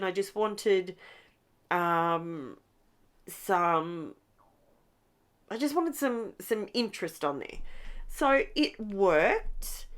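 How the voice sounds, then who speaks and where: A middle-aged Australian woman with a congested nose, chatting enthusiastically through a scrapbooking tutorial as she works. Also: medium pitch. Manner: chatty, enthusiastic, talks while crafting. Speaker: scrapbooking channel host. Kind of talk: casual craft tutorial chat.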